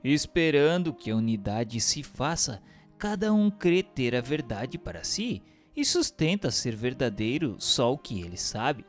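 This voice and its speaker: A man's voice: mid-range voice, big pitch swings, measured pace. A man reading scripted narration and questions for a radio drama in a formal, declamatory manner. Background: music behind the voice.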